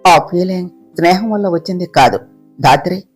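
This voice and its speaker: A storyteller voicing a tender, anxious young husband in an audiobook romance, speaking softly and earnestly. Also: medium pitch, normal speed, husky, soft background music, close to an everyday voice.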